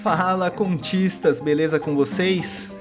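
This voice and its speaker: A man's voice: fairly high pitch, steady tone, takes it slowly. A man with a Brazilian accent giving a player introduction for a tabletop RPG show. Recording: music clearly behind the voice.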